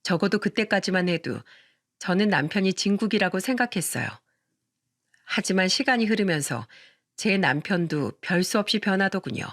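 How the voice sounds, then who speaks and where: A woman's voice: medium pitch, expressive, normal speed, no room sound, studio quality. A woman narrating a first-person radio story in a conversational tone, often turning to her listeners with questions.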